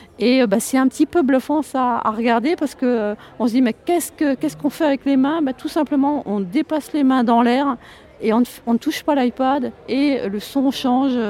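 At a moderate pace, a woman speaks with a high pitch, ordinary pitch variation and a dark, mellow tone. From Doubs, eastern France. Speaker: music teacher. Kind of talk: interview. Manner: halting.

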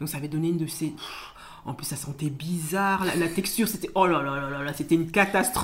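A woman with an ordinary speaking voice talks at a fairly quick pace in a fairly low pitch, showing ordinary pitch variation and big swings in loudness. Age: 40s. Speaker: cosmetics entrepreneur. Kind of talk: casual chat. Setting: at home.

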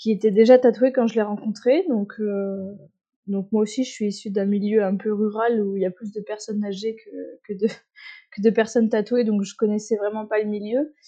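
With a plain, everyday voice, a woman with fairly high pitch speaks at a moderate pace with fairly even intonation. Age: 20s. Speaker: school education counselor. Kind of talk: casual interview.

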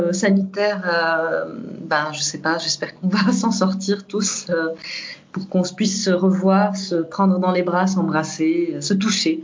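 Against noticeable background noise, a woman speaks at a very slow pace with fairly even intonation. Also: medium pitch for a woman. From Lebanon, Beirut. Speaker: visual artist. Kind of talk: interview. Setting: video call. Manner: halting, frequent fillers and repetitions. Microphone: remote call audio quality.

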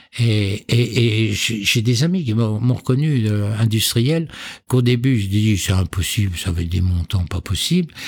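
This man's fairly low voice is somewhat breathy, with lively intonation at a fairly slow pace. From Jura, eastern France. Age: 60s. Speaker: retired insurance broker. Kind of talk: interview. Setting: wooden chalet by a lake. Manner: halting.

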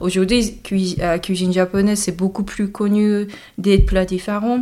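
A woman speaks at a medium pitch with a Japanese accent. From Japan, Tokyo. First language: Japanese (speaking French). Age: 40s. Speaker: cookbook author and caterer. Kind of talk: interview. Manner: halting, many hesitations.

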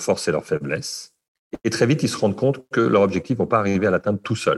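Against a quiet background, a man with a fairly low voice shows vocal fry and lively intonation. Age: 50s. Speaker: entrepreneur and author. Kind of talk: interview.

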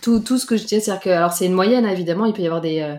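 Dark and mellow in tone, a woman's voice races at a very fast pace. The recording is very clean with a silent background. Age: 30s. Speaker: entrepreneur and business coach. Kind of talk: casual interview.

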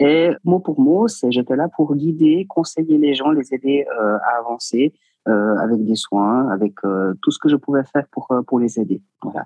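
Speaking at a fairly slow pace, a woman uses lively intonation with a very deep, low pitch. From Switzerland (French-speaking), born in South Korea, adopted at 7. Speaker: shaman. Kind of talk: interview.

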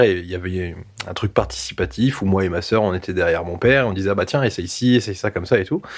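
Somewhat breathy and fairly low in pitch, a man talks at a fairly quick pace with very wide pitch swings. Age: 30s. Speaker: video game podcast panelist. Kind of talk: casual chat.

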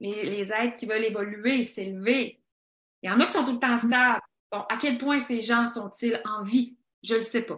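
Fairly high female voice, its intonation fairly even. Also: moderate pace. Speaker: entrepreneur and cookbook author. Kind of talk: podcast interview.

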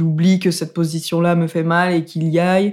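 A woman's fairly low voice at a moderate pace. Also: very clean recording, silent background. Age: 30s. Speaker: interviewee. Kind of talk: testimony.

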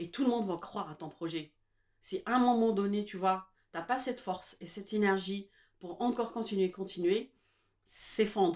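This is a woman with a plain, everyday voice. She talks at a moderate pace with ordinary pitch variation. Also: medium pitch for a woman. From Algeria, Constantine. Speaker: small business founder. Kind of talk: interview.

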